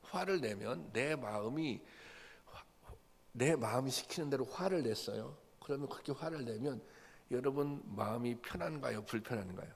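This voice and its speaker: A pastor delivers an earnest, repetitive dawn prayer sermon that builds to emphatic peaks, his words carrying long hall reverb through the church sanctuary. He speaks at a moderate pace in an expressive, medium-pitched voice with vocal fry and slight roughness.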